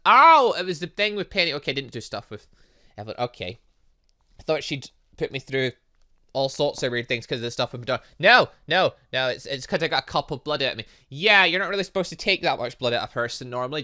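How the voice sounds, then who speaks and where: A man's voice: mid-range voice, pushed and bright. A young man giving casual let's play commentary on a visual novel, rambling and thinking aloud with muttered filler sounds. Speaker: gaming channel host.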